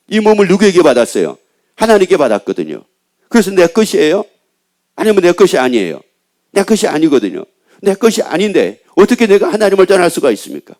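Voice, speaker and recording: A man's voice: high-pitched, a little mellow. A male pastor preaching a Sunday sermon, asking the congregation questions and answering them himself.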